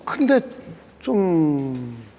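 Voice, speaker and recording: A man hosting a casual chat over drinks, teasing his guests and then giving slow, earnest advice. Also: on the high side, sing-song, warm tone, big-room sound, a little hiss or hum. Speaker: host.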